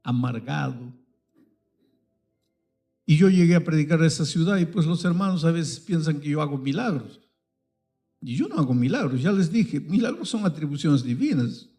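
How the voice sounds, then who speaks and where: A male pastor tells a story from the pulpit. His voice is dark and mellow, and it leaps and drops dramatically as he tells it. Faint music plays softly behind him. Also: expressive, normal speed, pauses often. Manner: dramatic storyteller with sudden swings in pitch and force. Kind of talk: storytelling sermon.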